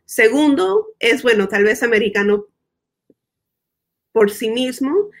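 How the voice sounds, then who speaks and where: This guest expert, a woman based in the US, speaks slowly in a voice on the high side with lively intonation. During the conversational interview she lays out her thinking with care, repeating words as she goes and mixing in English terms.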